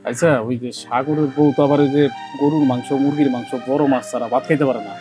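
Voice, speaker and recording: A man's voice: mid-range voice, steady tone, fast, music in the background, close to an everyday voice. A man playing an anxious poor village husband. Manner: worried, despairing. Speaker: village husband and elder brother. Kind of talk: television drama acting.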